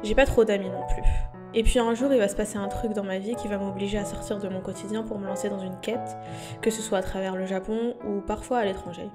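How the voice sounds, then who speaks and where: A woman's voice: mid-range voice, steady tone, quick pace, natural voice. A woman voicing an ordinary man in his thirties, a passive and self-deprecating intellectual, telling his story in a matter-of-fact way. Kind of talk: scripted narration. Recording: music clearly behind the voice. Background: music.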